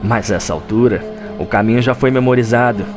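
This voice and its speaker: A man's voice: medium pitch, brisk. A man with a Brazilian accent, giving dramatic scripted narration of a fantasy game story. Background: music.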